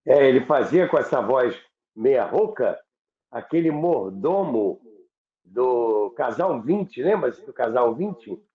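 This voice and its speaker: Male Brazilian radio-history host, unhurried and reminiscing, on a thin, roomy phone-like connection. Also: mid-range voice, animated. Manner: halting, repeats words for emphasis. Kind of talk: reminiscing in conversation.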